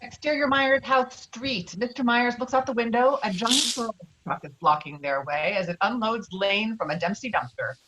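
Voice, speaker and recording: A woman's voice: fairly high pitch, moderate pace, few pauses, noisy background. A woman reading stage directions as the narrator of a virtual table read. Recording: dull, lo-fi online call.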